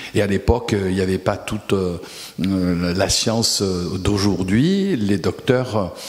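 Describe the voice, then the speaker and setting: Against noticeable background noise, a man with a fairly low pitch talks at a very slow pace with fairly even intonation. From France, Nice. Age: 70s. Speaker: pastor. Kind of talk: testimony. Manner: halting, many hesitations.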